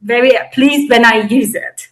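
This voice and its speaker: A middle-aged woman from eastern Germany with a German accent, giving reflective, halting, explanatory answers as an interview guest. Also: a little high, a bit bright. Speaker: interview guest, editor and educator.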